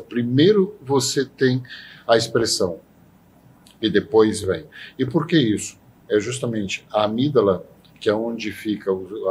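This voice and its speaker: A man's voice: lowish voice, a little mellow, slight background noise. A man on a podcast panel who explains ideas with restarts and rhetorical questions. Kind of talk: casual podcast discussion.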